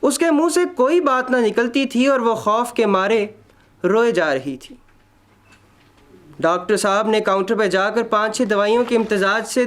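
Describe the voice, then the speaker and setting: A man narrating a literary short story in an expressive, measured, dramatic reading style. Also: high-pitched.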